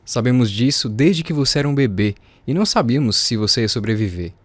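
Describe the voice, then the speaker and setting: A man's voice: medium pitch, animated, fast talker, breathy edge, no room sound. A man acting as a proud, devout middle-aged father in a radio drama, solemn and encouraging. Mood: tender, solemn.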